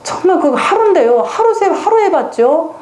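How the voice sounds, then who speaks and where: A woman's voice: very high voice, sing-song, normal speed, background noise. A woman giving a public lecture to parents in a hall, asking the audience questions and answering them herself.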